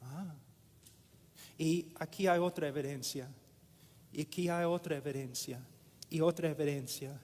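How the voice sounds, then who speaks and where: Slow emphatic male preacher, reverberant hall. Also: a little high, a little mellow. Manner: slow and emphatic, repeating phrases. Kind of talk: sermon.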